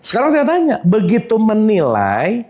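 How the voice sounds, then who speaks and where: Before a live audience, a high-pitched religious teacher delivers an easygoing spiritual lesson at a moderate pace. His voice climbs and dips dramatically as he energetically throws one question after another at them.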